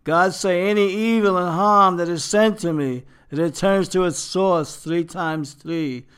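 A man's voice: high-pitched, unhurried, a bit bright, smooth. A man playing a fretful old Jewish man who rambles and preaches in a complaining way. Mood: solemn. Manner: kvetching, rambling, sermon-like. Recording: noisy, with crowd chatter behind.

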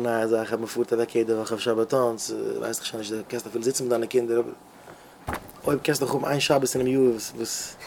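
An excitable man with a Hasidic Yiddish accent preaches a sermon, his voice sitting at an ordinary middle pitch. He tells his stories with lively energy and keeps restarting his phrases. A faint hiss of noise runs under the recording. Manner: excitable, animated storytelling with many restarts. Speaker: rabbi.

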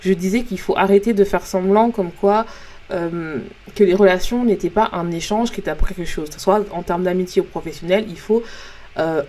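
French woman coach hosting her own podcast, warm and mellow tone, earnest, talks straight to listeners. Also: medium pitch. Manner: earnest, frank, many fillers and restarts. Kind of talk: casual motivational monologue.

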